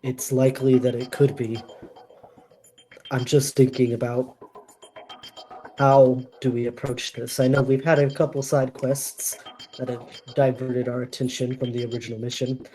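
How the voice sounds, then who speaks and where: A man's voice: medium pitch, flat delivery, moderate pace, dark tone, faint music behind, rough recording. Earnest man role-playing a character. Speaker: player. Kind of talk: in-character tabletop role-play.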